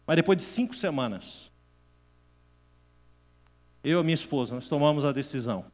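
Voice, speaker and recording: A middle-aged Brazilian man preaching a sermon as pastor, telling a personal story in an animated way that swings between loud bursts and hushed asides. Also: a little high, moderate pace. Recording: long reverb of a church hall.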